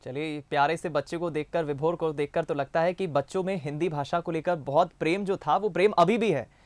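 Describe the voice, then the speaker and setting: A man's voice: a little high, a little mellow, no room sound. Dry-toned male news anchor. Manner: formal, measured, trailing restarts. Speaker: news show host. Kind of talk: studio panel discussion.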